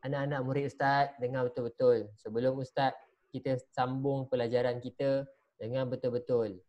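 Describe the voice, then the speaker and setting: Guy teaching kids over a video call, mid-pitched voice, lively storytelling, keeps throwing questions at the class. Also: moderate pace, highs cut off. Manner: animated, talks straight to the children and asks them questions. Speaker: religious studies teacher.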